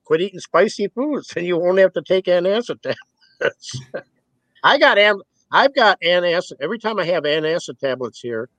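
A man's voice: on the high side, fairly bright tone, no room sound, low-quality recording. Folksy rambling older man in his sixties. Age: 60s. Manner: rambling, folksy, chuckles between points. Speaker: interviewee. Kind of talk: casual spoken interview.

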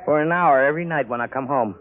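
An actor playing a weary, henpecked husband, wry and complaining, in 1950s radio drama style. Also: male voice, mid-range voice, fast, natural voice. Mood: grumbling. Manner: sardonic, complaining. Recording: tinny band-limited old radio recording.

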